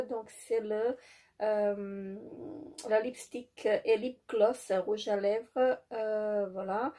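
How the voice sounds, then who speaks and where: Woman beauty vlogger, unhurried delivery, slightly husky tone, halting casual haul talk. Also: medium pitch, mellow. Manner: hesitant, many fillers, repeats "très joli"; apologizes for her English.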